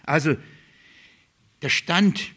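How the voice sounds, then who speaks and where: A male preacher delivers a sermon in a slightly raised voice. He repeats his key words, throws rhetorical questions at the congregation and swings between loud emphasis and hushed, lowered lines. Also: very slow, slightly rough.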